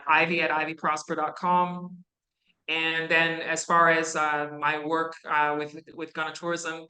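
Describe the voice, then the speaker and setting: A woman who grew up in Canada speaks as a guest in a university classroom, answering students' questions. Her voice sits a little low but sounds bright and forward. She talks conversationally, wandering into asides and fillers. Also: poor audio.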